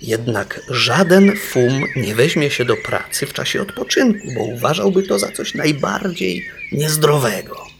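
Male storybook narrator: wry, measured, slow, gravelly. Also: on the high side, animated, a crowd in the background. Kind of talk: storybook reading.

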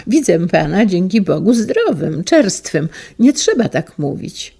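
A woman voicing a warm, eager middle-aged man greeting his old teacher with heartfelt feeling. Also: medium pitch, very animated, unhurried, creaky, slightly rough, heavily acted. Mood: reassuring. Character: grown son, warm and eager, a former pupil.

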